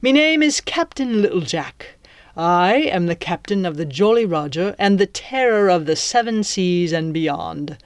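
A woman's voice: on the low side, expressive, measured pace, no echo, studio quality. A woman voicing a menacing male pirate captain in an audiobook, with a commanding, taunting, theatrical manner. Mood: smug, grand.

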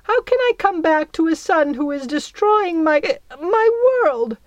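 A tiny old fairy queen with a breathy, gushing voice that climbs very high and carries some force, put on by a woman reading a storybook. She talks slowly, and the recording is dry and close. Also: animated, dry recording.

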